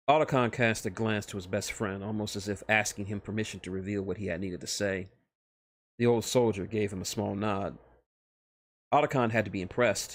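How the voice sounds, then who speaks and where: A man narrating fan fiction live on a stream, now and then stumbling and rereading phrases. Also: lowish voice.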